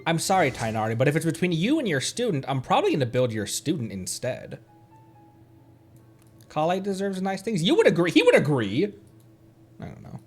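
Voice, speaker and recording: A man streaming a game with casual commentary, playful and excitable in the way he talks. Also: a little high, fairly quick, soft background music.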